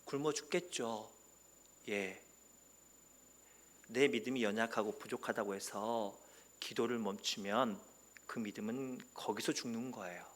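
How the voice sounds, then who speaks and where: A man preaching a sermon as pastor, animated and sometimes shouting. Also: fairly low pitch, a little slow, pauses often. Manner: animated, acts out quoted voices and sometimes shouts.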